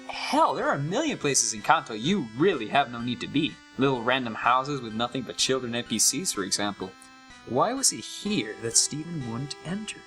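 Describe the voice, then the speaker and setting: A man giving an expressive, scripted first-person narration of a horror story. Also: medium pitch, low-quality recording.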